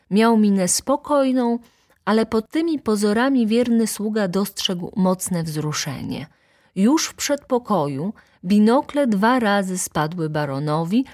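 A woman's voice: mid-range voice, darkish tone. Woman narrating a classic novel. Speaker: audiobook narrator.

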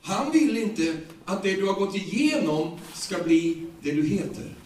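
A Swedish-accented man preaches a sermon in a loud, echoing room, heard from some distance. His voice sits a little high for a man, and he retells the scripture in lively, everyday language, stumbling over repeated words as he goes. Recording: echoey, distant room sound.

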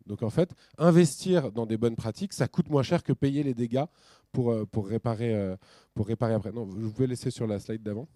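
A man giving a lively, off-the-cuff talk with slides, full of restarts and fillers. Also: mid-range voice, brisk, dry recording. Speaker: speaker.

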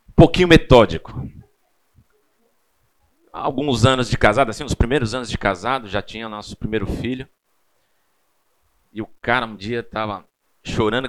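A man's voice: medium pitch, a bit bright, clean tone. A man in his thirties with a Brazilian Portuguese accent, teaching a church class in a casual, chatty way full of personal stories and tag questions.

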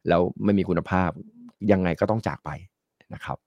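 A man's voice: low-pitched, brisk, darkish tone, no echo, muffled recording. A middle-aged man with a stuffy nose from a cold, chatting casually and rambling on a talk show. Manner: rambling, chatty, laughs often. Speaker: market analyst guest.

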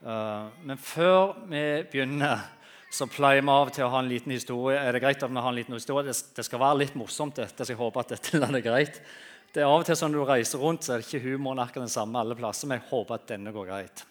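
A man preaching a sermon in a church, telling humorous stories in an animated way and swinging between loud and quiet. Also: mid-range voice. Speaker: guest preacher.

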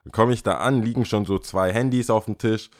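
A young man with a very low voice chats casually on a podcast. He tells a story and brings the quoted lines to life with sudden lifts in his pitch. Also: fairly quick. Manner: lively storyteller, acts out quotes with jumps in pitch. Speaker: podcast co-host.

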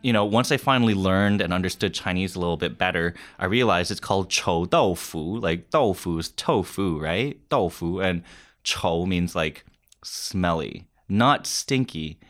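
Deep-voiced young man, relaxed and chatty. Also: unhurried, soft background music. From Canada. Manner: relaxed, chatty, with many fillers. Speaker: interview guest. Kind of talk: casual interview.

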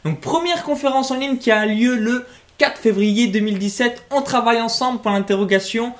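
A man's voice: extremely high pitch, brisk. Salesy male co-host of a live webinar. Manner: salesy, reads comments aloud. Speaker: co-host reading chat and selling coaching.

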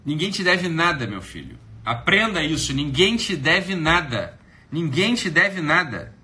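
A Brazilian livestream host speaking Brazilian Portuguese launches into a mocking, profane rant scolding a critic. His fairly high voice swings widely in pitch, unhurried yet bright and forceful.

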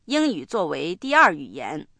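A woman hosting a radio language lesson, explaining slowly and spelling words out one letter at a time. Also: low voice, huge pitch swings, pushed and bright, no room sound. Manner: slow, deliberate explaining and spelling. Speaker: language program host. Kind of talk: bilingual lesson narration.

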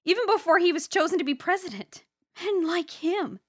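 High-voiced, jaded, wounded woman. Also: expressive, moderate pace, no echo, clean studio sound. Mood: bitter, defeated. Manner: sardonic, blunt. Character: jaded, wounded young woman, recently fired, bitterly blunt. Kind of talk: audio drama acting.

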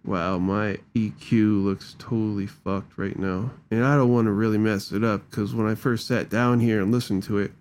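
A man's voice: lowish voice, fairly even intonation, normal speed, hardly any pauses, darkish tone. A man casually rambling through a tech walkthrough into a desk microphone, with loose slangy talk and lots of fillers. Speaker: tech video creator. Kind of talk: casual screen-recording walkthrough. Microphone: studio microphone at a desk.

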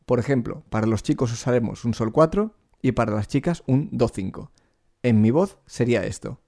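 A man teaching a singing lesson, explaining vocal technique clearly and speaking directly to the learner. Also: medium pitch, moderate pace, mellow. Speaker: vocal coach.

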